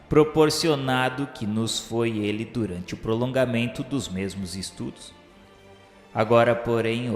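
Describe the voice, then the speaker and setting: A Brazilian man narrating a radio novel in a solemn, formal, declamatory dramatic style. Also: mid-range voice. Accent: Brazilian Portuguese. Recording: very echoey hall reverb over music. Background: background music.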